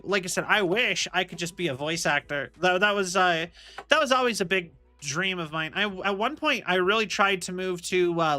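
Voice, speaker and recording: A young male VTuber with a high-pitched, sharp-toned voice chats casually on stream. He rambles and keeps circling back with "like I said."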